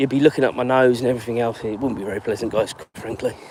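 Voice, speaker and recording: Noticeable background noise runs behind a man speaking. He talks at a very fast pace with fairly even intonation. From home counties north of London, England. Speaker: dog walker vlogger. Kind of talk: live stream casual chat. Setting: outdoors, walking dog.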